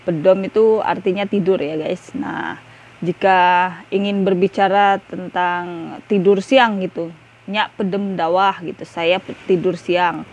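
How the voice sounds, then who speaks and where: A woman's voice: fairly low pitch, fairly even intonation, a little slow, darkish tone, dull audio. A young woman giving a casual video lesson on words, chatty and full of fillers. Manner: chatty, repeats "ya guys", many fillers. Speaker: language tutor.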